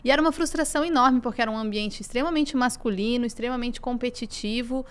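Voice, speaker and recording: A woman's voice: on the high side, quick pace, clear, resonant tone. A woman doctor, a guest on a podcast, answering candidly in a self-deprecating way with frequent tag questions. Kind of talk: candid conversational interview answers. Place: glass-walled studio with a live audience.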